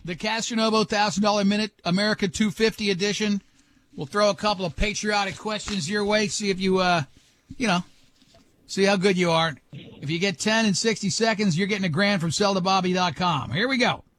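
A middle-aged man hosting a radio show, bantering and running a quick quiz in a teasing, jokey way. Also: sits high, steady tone, fairly bright tone, dry recording. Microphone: studio microphone.

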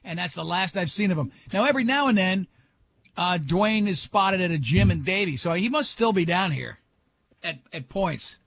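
High-voiced joking radio host man. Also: animated, creaky, fairly bright tone. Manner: fast, teasing, jokey. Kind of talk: morning radio banter and quiz hosting. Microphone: studio microphone.

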